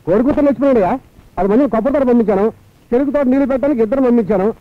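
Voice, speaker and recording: A chatty, fast-talking young servant. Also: male voice, very high voice, no echo. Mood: flattering. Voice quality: rapid, flattering. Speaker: film hero. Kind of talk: Telugu film dialogue. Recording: tinny lo-fi film soundtrack, music.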